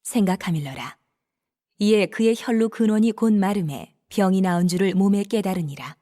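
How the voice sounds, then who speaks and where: A woman narrating scripture in a steady, measured reading. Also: medium pitch.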